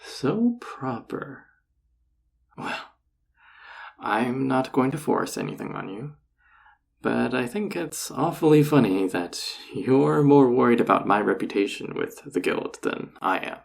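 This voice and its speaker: A man playing a flirty, self-assured enchanter boss in an audio roleplay, teasing and coaxing the listener in a husky, gravelly voice. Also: medium pitch, very animated, slow pace, heavily acted. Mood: amused, challenging. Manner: teasing, coaxing, casually confident. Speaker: voice actor. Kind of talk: intimate scripted audio roleplay addressed to the listener.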